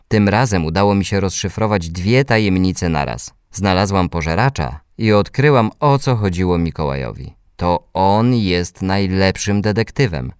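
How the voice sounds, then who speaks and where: A man with a low voice reads a children's story aloud. His delivery is gentle and measured, pitched to young listeners. The sound is close and dry. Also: smooth, dry recording.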